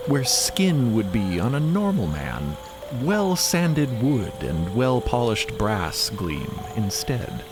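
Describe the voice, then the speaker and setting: A man's voice: medium pitch, big pitch swings, slow, music in the background. A man narrating a scripted story theatrically, with playful, dramatic emphasis.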